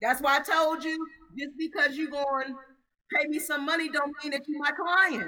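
Projecting her voice loudly, a woman speaks in an American accent with a high pitch and a bright, sharp tone. Her intonation stays fairly even. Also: moderate pace. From Washington DC area. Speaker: healing coach. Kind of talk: casual chat. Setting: live online broadcast.

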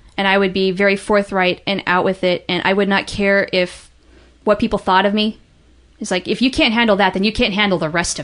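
A woman talks at a fairly quick pace with fairly even intonation in an ordinary speaking voice. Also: medium pitch for a woman. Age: 30s. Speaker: barista and listener. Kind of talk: interview conversation.

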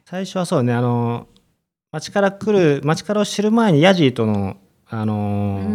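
The recording is very clean, with a silent background. A man speaks at a moderate pace in a fairly high pitch with very wide swings. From Niigata, Joetsu. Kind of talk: casual interview.

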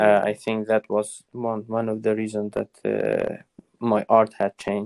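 In a Kurdish accent, a man speaks at a fairly slow pace in a fairly low voice with monotone, flat intonation, recorded with a dry, close sound and no echo. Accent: Kurdish-accented English, Badini. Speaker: artist and art teacher. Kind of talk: casual interview chat. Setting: video call from Washington DC.

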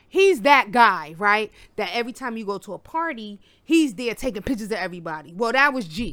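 In a very clean recording with a silent background, a woman speaks at a moderate pace. Her high pitch makes very wide swings, and her tone is bright and sharp. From New York City (Harlem). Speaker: podcast co-host. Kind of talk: casual chat.

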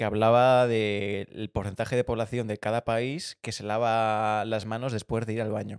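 A man speaks at a moderate pace in a Castilian accent, his intonation flat and monotone. The recording is very clean and dry, close with no echo, over a silent background. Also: medium pitch for a man, hardly any pauses. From Spain. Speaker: podcast co-host. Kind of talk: casual chat.

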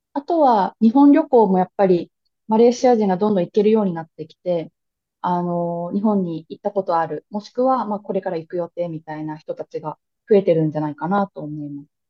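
A woman with an unremarkable speaking voice at a medium pitch talks at a fairly quick pace, her intonation lively and her loudness swinging widely. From Japan, Tochigi. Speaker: embassy public relations officer. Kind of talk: casual interview chat.

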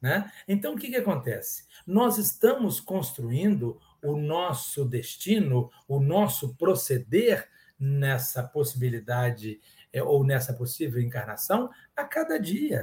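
Speaking very slowly with a Minas Gerais accent, a man uses a fairly high, somewhat breathy voice with very wide pitch swings. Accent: mineiro Brazilian Portuguese. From Minas Gerais, Brazil. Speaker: spiritist speaker. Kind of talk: casual talk on spiritist study, live stream. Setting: video call, live stream.

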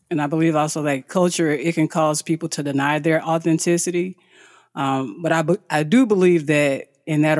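A woman with a Southern US accent speaks in a very deep, low pitch, her intonation monotone and flat. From South Carolina. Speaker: androgynous model. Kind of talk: casual chat.

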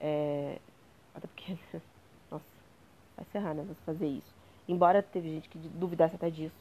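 Her voice is fairly low, with monotone, flat intonation and big swings in loudness. The woman talks at a fairly quick pace but leaves long, frequent pauses. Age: 20s. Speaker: podcaster. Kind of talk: personal storytelling monologue. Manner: casual, laughing.

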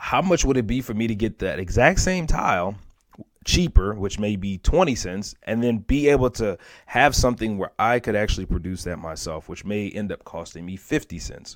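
Here is a man with a plain, everyday voice, pitched fairly low. He speaks at a moderate pace with lively intonation and big swings in loudness. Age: 30s. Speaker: podcast host, business owner. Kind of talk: solo business podcast talk.

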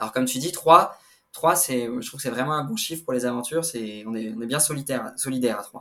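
Loudness swings widely as a man talks at a fairly quick pace with ordinary pitch variation. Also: medium pitch for a man. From French Alps (Hautes-Alpes). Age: 30s. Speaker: trail runner. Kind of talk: interview. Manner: halting, many fillers.

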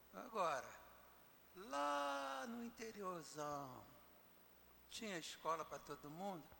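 Very slowly, a man speaks in a fairly high pitch, with long, frequent pauses and audible room echo. His tone is bright and sharp, and his pitch swings very widely. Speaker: spiritist lecturer. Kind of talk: lecture.

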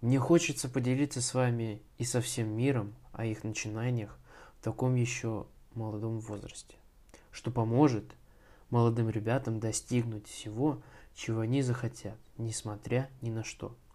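A man's dark, mellow, somewhat breathy voice at a moderate pace, monotone and flat, with long, frequent pauses. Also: medium pitch for a man, very clean recording, silent background. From Estonia, Tallinn. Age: 20s. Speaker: podcast host. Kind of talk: scripted introduction monologue.

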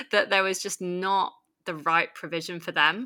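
In a London accent, a woman speaks at a fairly low pitch with fairly even intonation. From London, England. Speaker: PhD researcher. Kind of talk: casual interview discussion.

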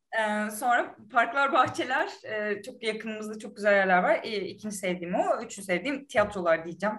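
A woman's normal speaking voice, fairly high in pitch, at a moderate pace with ordinary pitch variation, big swings in loudness and hardly any pauses. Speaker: theatre actor. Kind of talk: casual chat.

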